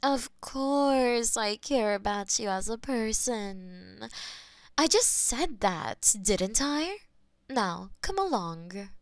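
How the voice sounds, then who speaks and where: A woman's voice: fairly high pitch, expressive, slow pace, no room sound. Woman doing a possessive demon lady, taunting, drops to whispers, takes her time. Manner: teasing and possessive, slipping into soft whispers. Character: possessive, taunting wealthy female demon mistress. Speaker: audio roleplay performer. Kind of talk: scripted audio roleplay.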